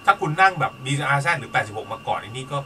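A man reviewing cars in casual, joking talk, telling driving stories with lively humor. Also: mid-range voice, very fast, far from the mic, slight background noise. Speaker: car reviewer.

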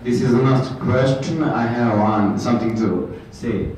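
A young man at a workshop haltingly shares a personal story in broken English, with many fillers. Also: mid-range voice, steady tone, darkish tone, a little hiss or hum. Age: young adult. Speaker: workshop participant. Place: large hotel conference room. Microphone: far camera. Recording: echoey room from far off.

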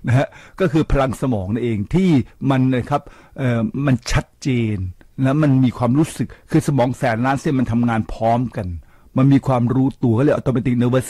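An older man talks to his radio listeners in a lively, preachy way, firing rhetorical questions at them. His voice is dark and mellow, and the studio sound is close and dry. He drops English words into his talk. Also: medium pitch, no room sound. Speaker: radio host. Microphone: studio microphone.

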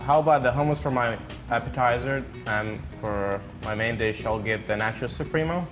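A man's voice: medium pitch, unhurried, music in the background, lightly acted. A man playing an easygoing young man ordering food at a diner in a scripted course-video dialogue. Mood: casual.

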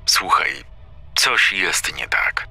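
A man voicing a sinister caller who speaks in a hushed, menacing whisper with a gravelly edge. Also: sits low, expressive, drawn-out words, dry recording, full character voice. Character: sinister calm older man whispering on the phone.

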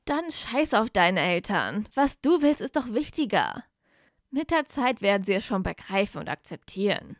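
A woman's voice: fairly high pitch, measured pace, dry recording, studio quality. A woman reading aloud voices a loyal, hot-headed young male wizard who presses his friend urgently. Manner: urgent, pushy.

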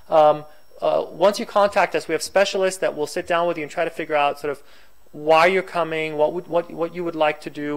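A man's voice: fairly high pitch, clear, resonant tone. A man giving an informal slide talk from a podium microphone in a university lecture hall, before moderating a panel. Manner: loose and informal, many fillers.

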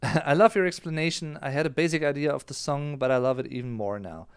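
A man's voice: on the high side, fast talker, smooth, no echo, studio quality. A man in his thirties with a German accent, a native German speaker, casually explaining song lyrics as a music reaction streamer on a headset. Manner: animated, gesturing with his hands. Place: small indoor room.

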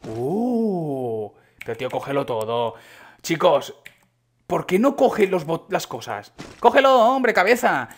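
A young man with a Spain Spanish accent giving casual, excitable commentary on his gameplay, chatting to his viewers and breaking into sudden shouts. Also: on the high side, takes it slowly. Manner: chatty, addresses viewers as chicos. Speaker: gaming YouTuber.

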